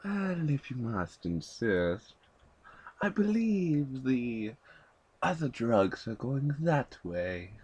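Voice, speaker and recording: A man playing a pompous upper-class gentleman with a British accent and deliberate manner. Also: medium pitch, no room sound, lo-fi sound, pitched above the performer's own voice, full character voice.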